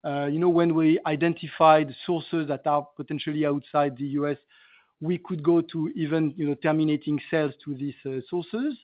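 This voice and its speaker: A male company executive answering analysts on an earnings call in a halting, emphatic way, repeating phrases for stress. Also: a little high, steady tone, no echo. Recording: narrow tinny phone line.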